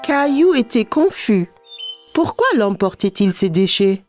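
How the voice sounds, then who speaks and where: A woman's voice: mid-range voice, big pitch swings, measured pace, faint music behind. A woman narrating a children's cartoon in the manner of a storybook reader. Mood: storytelling. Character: storyteller of a small boy's everyday adventures.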